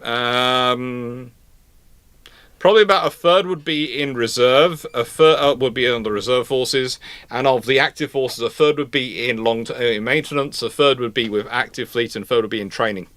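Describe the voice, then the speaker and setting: A man's voice: medium pitch, normal speed, fairly bright tone, no echo. A man hosting a casual live question-and-answer talk on history, rambling and often restarting his phrases. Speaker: livestream host.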